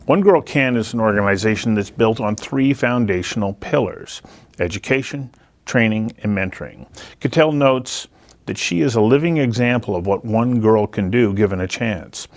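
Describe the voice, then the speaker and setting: A man with a somewhat low voice hosts a conversation show. He talks in long, earnest, reflective sentences and takes his time making his point. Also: moderate pace. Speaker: interview show host. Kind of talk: scripted intro then conversational interview.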